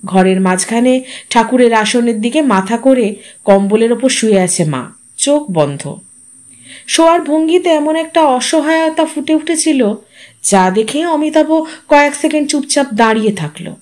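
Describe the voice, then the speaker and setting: A woman narrating a literary story in a measured, expressive storytelling manner. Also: high-pitched.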